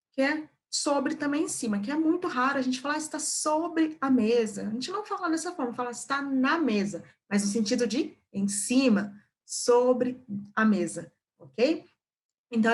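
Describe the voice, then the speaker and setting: Brazilian woman teaching English, higher voice. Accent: Brazilian Portuguese. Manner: patient, repeats and checks in with "né?" and "ok?". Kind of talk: explaining an English lesson.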